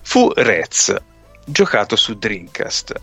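A man's voice: fairly low pitch, huge pitch swings, takes it slowly, bright, forceful tone, slightly rough. A middle-aged man from Tuscany in casual, colloquial conversation, reminiscing and now and then swearing. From Italy, near Grosseto in Tuscany. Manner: colloquial, mildly profane. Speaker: podcast co-host. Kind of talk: casual chat, reminiscing about arcade games. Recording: dull lo-fi audio with music. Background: music.

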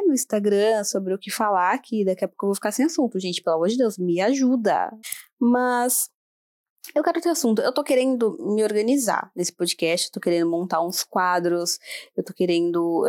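A woman's voice: fairly high pitch, darkish tone, no room sound, studio quality. A young woman hosting a casual solo podcast, chatty and self-mocking, swearing now and then. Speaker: podcast host.

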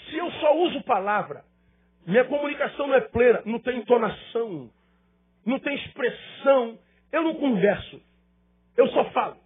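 A man's voice: very high voice, lively intonation, moderate pace, slightly rough, narrow, tinny audio. A male pastor preaching a sermon with emphatic rhetorical questions and repetition.

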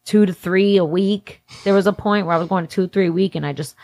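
A woman in her late twenties with a slightly low voice, talking candidly as a guest in an interview. Her phrasing is loose and slangy, peppered with "like", as in a chat between friends. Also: fast talker, darkish tone. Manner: informal slang-filled talk, heavy use of "like". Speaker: interview guest working in music industry event production. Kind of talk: casual candid conversation.

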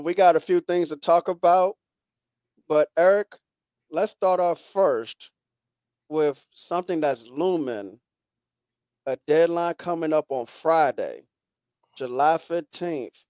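A man's voice: a little high, slow pace, pauses often, darkish tone, clean tone, no room sound, studio quality. A man hosting a podcast with casual, informal sports talk, often repeating phrases as he goes. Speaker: podcast host.

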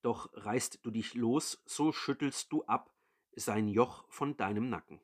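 A solemn old blind father speaks his blessing in a measured, unhurried way, read out by a man. The voice is of middle pitch and moves slowly. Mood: grave.

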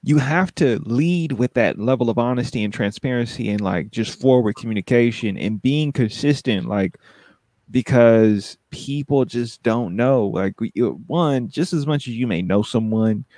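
A man's voice: medium pitch, moderate pace, darkish tone, no echo. Reflective, emphatic man. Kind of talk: casual conversation.

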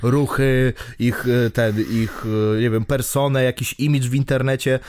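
A man's voice: medium pitch, steady tone, normal speed, a little mellow. A man co-hosting a casual podcast chat, often laughing, swearing and repeating himself. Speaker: podcast co-host.

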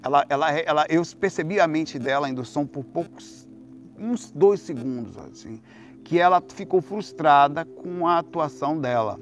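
A man with a Brazilian Portuguese accent telling a long story in a casual, rambling monologue, swearing freely and swinging between hushed and loud. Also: on the high side, expressive, moderate pace, soft background music.

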